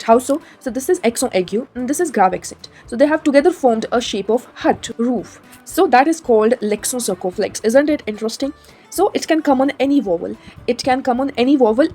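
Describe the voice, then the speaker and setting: A woman's voice: a little high, darkish tone. A young woman teaching a French lesson, explaining step by step and asking how so.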